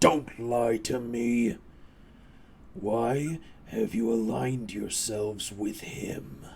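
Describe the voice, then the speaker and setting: Using a put-on, growling character voice at medium pitch, a man speaks very slowly with long, frequent pauses over clear background noise. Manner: growling, snapping.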